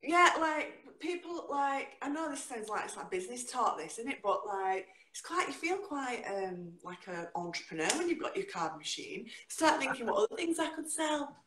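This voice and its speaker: A middle-aged woman with a Northern English accent, a guest poet who performs her spoken word and chats over a video call from home, with a lively, dramatic delivery. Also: moderate pace, few pauses, a little hiss or hum. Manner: lively, dramatic delivery with sudden jumps in pitch. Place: home room, indoors. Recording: echoey room on a video call.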